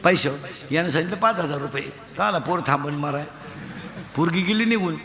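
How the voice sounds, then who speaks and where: A man's voice: fairly high pitch, a little fast, fairly bright tone. A man preaching a comic devotional kirtan, telling stories and mocking in acted voices. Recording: echoey hall sound.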